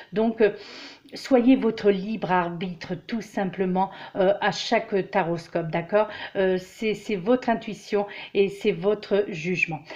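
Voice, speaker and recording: Fairly even intonation marks a woman's speech. She talks at a very slow pace. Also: medium pitch for a woman. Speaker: tarot reader. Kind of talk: tarot reading monologue. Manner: hesitant, many fillers.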